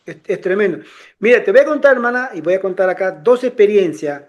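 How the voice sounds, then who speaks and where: A middle-aged man telling personal stories in a casual conversation, animated, restarting phrases often and acting out the voices of people in his anecdotes. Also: sits high, a little fast.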